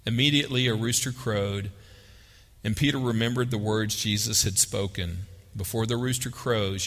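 A man's voice: on the low side, bright, forceful tone. A man with a Texas accent preaching a sermon, reading scripture aloud and talking it through conversationally, asking his listeners questions. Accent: Texan. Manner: conversational, asks the audience questions. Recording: long hall reverb.

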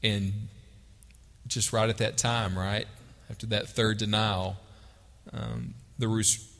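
A man's voice: lowish voice, little pitch movement, slow, vocal fry, a bit bright. A man with a Texas accent preaching a sermon, reading scripture aloud and talking it through conversationally, asking his listeners questions. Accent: Texan. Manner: conversational, asks the audience questions. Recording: long hall reverb.

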